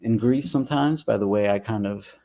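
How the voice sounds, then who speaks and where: A man from the United States with a gravelly edge to his voice, speaking as a guest in a relaxed interview. He works through his ideas out loud, circling back and repeating words as he goes. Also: lowish voice, fairly quick. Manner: thoughtful, repeats words while forming ideas. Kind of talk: casual conversation.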